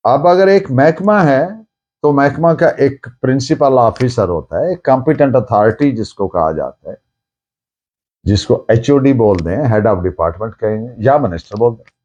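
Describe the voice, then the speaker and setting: A man with a Pakistani accent giving a lecture in a deliberate, emphatic, didactic way, mixing in English phrases. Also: medium pitch, animated, a little mellow, muffled recording. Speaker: law lecturer. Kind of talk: lecture on evidence law, dictating citations.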